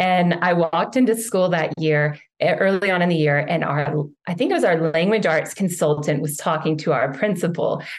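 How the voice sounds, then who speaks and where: A woman with an American accent talks at a moderate pace in an unremarkable speaking voice, pitched fairly low. Her pitch varies in an ordinary way, and her loudness stays very even. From US South, Jackson, Mississippi. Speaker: educator and author. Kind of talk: casual interview chat.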